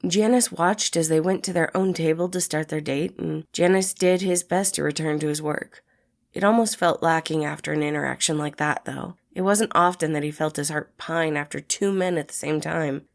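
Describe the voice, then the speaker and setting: A woman narrates a piece of written fiction. Her voice sits a little low, and she delivers the prose as a scripted storybook reading. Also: steady tone, normal speed, gravelly. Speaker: podfic narrator.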